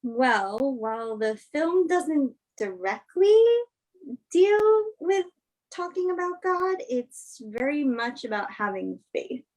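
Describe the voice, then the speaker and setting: A woman playing a sincere film actress in a staged play reading, speaking in an earnest, measured way. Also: high voice, sing-song, darkish tone, full character voice, low-quality recording. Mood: candid. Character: Emma, sincere film actress woman, thoughtful, open-minded believer. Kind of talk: virtual staged play reading, naturalistic dialogue.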